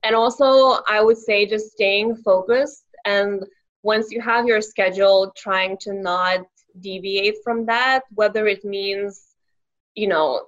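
Young adult woman from Lithuania, native Lithuanian speaker, interview guest, mid-pitched, soft-spoken, slightly dull recording. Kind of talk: casual interview answers.

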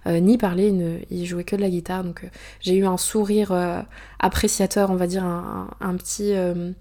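A young woman from France, an author, chatting through a personal story in a casual monologue, full of hesitations, fillers and quick asides. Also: on the low side, flat delivery, warm tone.

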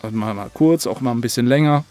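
A man's voice: mid-range voice, fast talker, darkish tone, faint music behind. A man with a mid-range voice talks as a guest in a casual interview. He speaks informally and colloquially, rambling loosely as he explains things. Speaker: audio drama writer, director and producer, interview guest.

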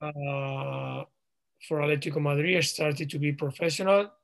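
A man in his thirties speaks English with a Spanish accent, in a fairly high voice. He answers interview questions slowly, pausing often and restarting his sentences. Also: fairly even intonation, gravelly. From Spain. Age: 30s. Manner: halting, frequent ums and restarts. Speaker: guest, professional footballer.

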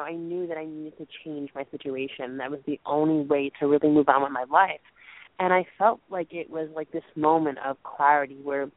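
A hoarse woman co-hosting a motivational call-in show, losing her voice from a chest cold and telling a personal story candidly. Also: low-pitched, no echo. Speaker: co-host. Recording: dry tinny phone line.

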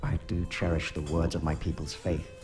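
Deep-voiced, formal alien warrior. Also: male voice, flat delivery. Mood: solemn, troubled. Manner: formal, measured, stilted wording. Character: solemn, troubled alien warrior of deep faith. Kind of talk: science fiction audio drama acting. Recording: music under the voice.

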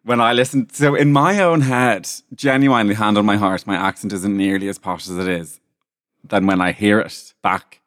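A man with a posh Dublin accent, a podcast guest chatting casually in a camp, animated way. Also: fairly low pitch, normal speed, no room sound, studio quality. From Ireland. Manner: camp, animated, swears freely. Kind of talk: casual chat.

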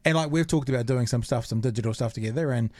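A podcast host, a man at a middling pitch. He asks long questions that wander and stall on fillers. The recording is close and dry. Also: fast, a little mellow, dry recording. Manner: hesitant, meandering questions with many fillers. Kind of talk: casual interview chat.

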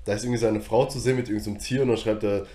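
Young guy cohosting a podcast, kinda low warm voice, rambles with lots of ums and slang. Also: fairly even intonation, rapid-fire. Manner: slangy, rambling with many fillers. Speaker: podcast co-host. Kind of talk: casual chat.

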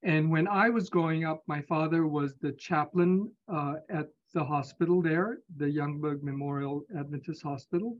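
A man in his fifties from Singapore, a physician answering interview questions in a measured, hesitant way. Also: fairly high pitch, narrow, tinny audio. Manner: measured, hesitant, with many pauses. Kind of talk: conversational interview.

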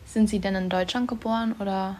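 Flat-voiced young interviewer with faint noise. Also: female voice, medium pitch, fairly quick. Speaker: student interviewer. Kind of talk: school project interview.

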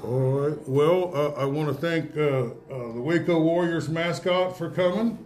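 Male American radio host, higher-pitched voice, casual and jokey, stumbles along conversationally. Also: darkish tone. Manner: joking, chatty, halting. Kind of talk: casual live on-site radio interview. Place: public venue used for a live broadcast.

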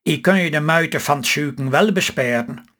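A man's voice: fairly high pitch, brisk, sharp tone. Man doing a grumbling gloomy country husband. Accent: Stellingwerf Low Saxon dialect. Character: grumpy pessimistic rural husband.

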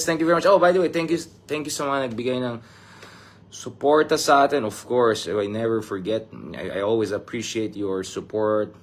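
A Filipino man with a Filipino accent, tired, talking excitedly in a casual football vlog and switching between Tagalog and English. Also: medium pitch, a little hiss or hum. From Philippines. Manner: excitable, mixes Tagalog and English, laughs often. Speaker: vlogger.

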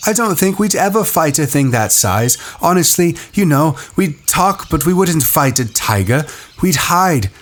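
A man's voice: fairly high pitch, very animated, measured pace, hardly any pauses, a little hiss or hum, pitched above the performer's own voice. A man voicing a young boy leader in an audiobook, talking in clipped, bitter bursts. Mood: troubled.

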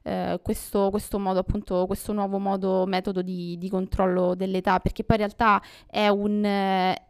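A woman co-hosting a casual podcast, weighing her points with frequent pauses and fillers. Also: medium pitch, level tone, clear, resonant tone. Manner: thoughtful, hesitant, many fillers. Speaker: podcast co-host. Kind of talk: casual news chat.

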